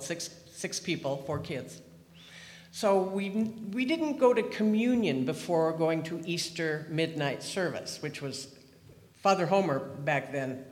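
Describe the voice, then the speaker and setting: Man around 70, a bit high voice, rambling humorous testimony, long reverb of a big hall. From Pacific Northwest, USA. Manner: chatty, humorous, wandering with restarts. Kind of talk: personal testimony, storytelling.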